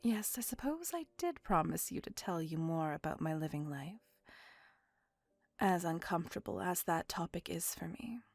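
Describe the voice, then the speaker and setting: A centuries-old vampire lady, as a woman acts her out, whispers close and low in a husky, gravelly hush. She is possessive and doting, and her speech is formal and old-fashioned. Faint music hums under a dry, close sound. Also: lively intonation, normal speed, no echo. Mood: wistful. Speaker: voice actor. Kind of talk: ASMR roleplay.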